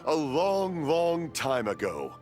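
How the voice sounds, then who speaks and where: Rambling, very animated old father. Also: on the high side, music in the background, exaggerated voice. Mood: rambling, wistful. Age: older. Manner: rambling, drawn-out, cheerful. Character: genial, hard-of-hearing old father, rambling fireworks craftsman. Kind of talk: video game voice acting.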